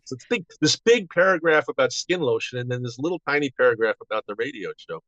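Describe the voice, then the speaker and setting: A man in his seventies reminiscing casually as an interview guest, halting and rambling with false starts. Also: medium pitch, animated, a bit bright, dry recording. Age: 70s. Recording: dull, band-limited audio.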